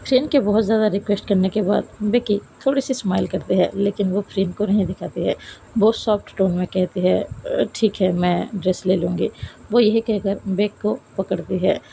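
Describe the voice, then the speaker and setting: A woman narrating a romance story in Hindi, reading every line of dialogue herself in a steady, plain manner. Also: medium pitch, brisk, creaky, slight background noise, poor audio. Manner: steady, plain retelling with dialogue read aloud.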